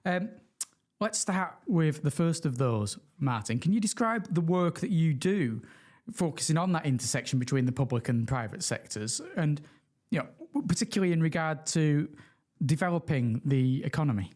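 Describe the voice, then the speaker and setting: A man's voice: on the high side, lively intonation, moderate pace, a little mellow. A man with a northern English accent hosts a podcast and introduces guests. He talks in a chatty, easygoing way and likes to joke. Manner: chatty, jokey. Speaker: podcast host. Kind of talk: podcast conversation.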